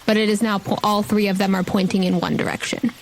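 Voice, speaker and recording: A woman's voice: mid-range voice, level tone, fast talker, slight background noise, rough recording. A woman, hosting and narrating a tabletop game as game master. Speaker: game master and podcast host. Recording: loud music under the voice. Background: music.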